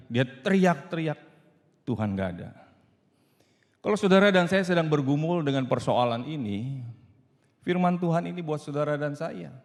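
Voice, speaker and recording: A man with an Indonesian accent preaching a sermon, his voice swinging from loud cries down to low murmurs. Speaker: pastor. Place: church sanctuary. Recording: long church reverb.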